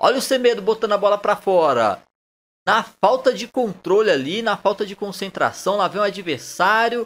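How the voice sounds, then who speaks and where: A man's high voice with a Brazilian accent, at a moderate pace. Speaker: gaming youtuber. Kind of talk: live sports-game commentary while playing. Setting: gameplay recording with face cam. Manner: casual, informal, chatty.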